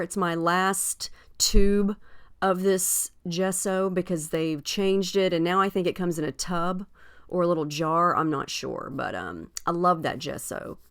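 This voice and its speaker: A scrapbooking video host narrates a casual crafting tutorial in a friendly, chatty way, with frequent ums filling her pauses. Her fairly low, smooth voice has a slight scratchiness left over from being ill.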